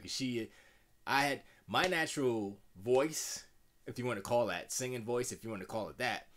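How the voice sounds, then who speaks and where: A middle-aged man with a deep voice, chatting casually and rambling in a self-deprecating way while streaming from his home music studio. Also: a bit bright. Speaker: music producer streaming live. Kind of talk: casual live-stream chat.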